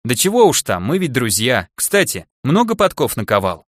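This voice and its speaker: A man's voice: mid-range voice, wildly swooping pitch, normal speed, dry recording, clean studio sound. A man doing a grinning joker craftsman. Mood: teasing. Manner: grinning, teasing. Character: cheerful male craftsman friend, joking.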